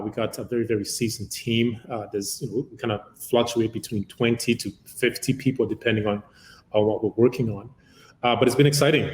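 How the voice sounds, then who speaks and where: A man's voice: mid-range voice, slight background noise. Chatty man from Uganda, roomy sound. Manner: long-winded, many "uh" fillers. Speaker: guest, company founder. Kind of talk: conversational interview answer.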